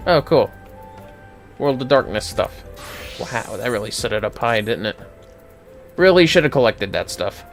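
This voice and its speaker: Casual, animated game streamer, music behind. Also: medium pitch, unhurried, long pauses. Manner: salty, swears casually, mutters to self. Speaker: livestreamer playing an online fantasy game. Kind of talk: casual gameplay commentary.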